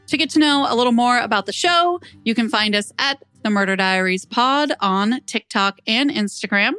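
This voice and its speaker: A woman's voice: on the high side, expressive, moderate pace, sharp tone, faint music behind. A young woman hosting a true crime podcast, reading scripted narration into a close microphone. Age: young adult. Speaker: podcast host.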